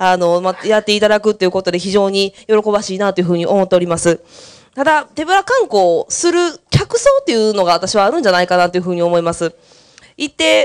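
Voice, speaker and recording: Over a quiet background, a woman speaks at a very fast pace with lively intonation. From Kyoto, Japan; Japan. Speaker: city council member. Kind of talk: committee questioning. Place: meeting room.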